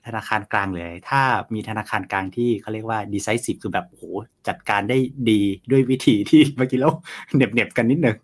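A man's voice: fairly low pitch, fairly quick, hardly any pauses. A man appearing as a guest market commentator on a casual live finance talk show, chatty and rambling, with many fillers.

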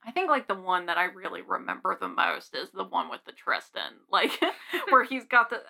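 A woman's voice: medium pitch, big pitch swings, normal speed, creaky, bright, forceful tone. A young woman co-hosting a podcast in casual, rambling chat with giggly asides. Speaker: podcast co-host.

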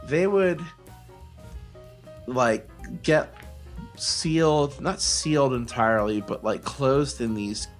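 A man's voice: medium pitch, slow pace, long pauses, faint music behind. A man co-hosting a podcast in casual comic chat, bantering and arguing in mock protest. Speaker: podcast co-host.

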